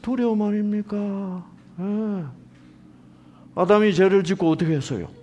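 A man's voice: sits high, a little slow, a little hiss or hum. A middle-aged male pastor preaching a sermon, explaining ideas and asking the congregation questions. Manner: animated, asks the congregation rhetorical questions.

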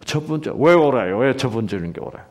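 A man's voice: medium pitch, lively intonation, fast talker. A man preaching a sermon, asking the congregation questions and acting out quoted lines in shifting voices. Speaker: pastor.

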